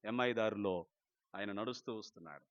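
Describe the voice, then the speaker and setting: A man preaching an Easter sermon with passion, swinging from loud cries down to low, quiet lines. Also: normal speed, no echo, dull audio. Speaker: pastor. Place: prayer house.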